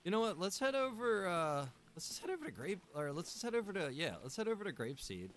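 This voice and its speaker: A man's voice: high voice, big pitch swings, fast, slight background noise. A man livestreaming from a room at home, chatting casually with his viewers in a rambling way full of "like" and "man". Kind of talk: casual chat with stream viewers.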